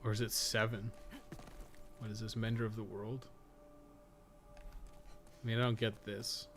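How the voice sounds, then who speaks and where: A man's voice: lowish voice, little pitch movement, measured pace, a bit bright, faint music behind. A man streaming a game, thinking aloud and chatting in a casual, rambling way, muttering to himself and swearing now and then.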